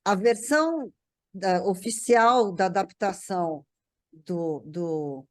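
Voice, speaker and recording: A woman with a Brazilian accent talks casually as a guest, looking back on memories. Her delivery is halting, circling over small words while she gathers the next thought. Her pitch sits in an ordinary range for a woman. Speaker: interview guest. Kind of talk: casual reminiscing conversation.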